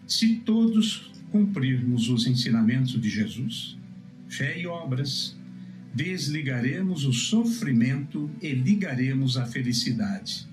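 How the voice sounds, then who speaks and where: A Brazilian man gives religious teaching in a measured, emphatic manner. His voice sits at a middle pitch and rings with noticeable room echo. Music plays faintly behind him. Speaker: preacher. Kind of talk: religious teaching, scripture exposition.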